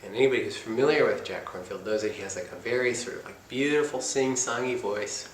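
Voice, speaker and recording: A man giving a meditation talk in a soft-spoken, reflective manner, with casual asides. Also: fairly low pitch, fast, a little hiss or hum. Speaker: meditation teacher. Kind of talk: dharma talk. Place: meditation center hall. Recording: echoey meditation hall with faint ambience.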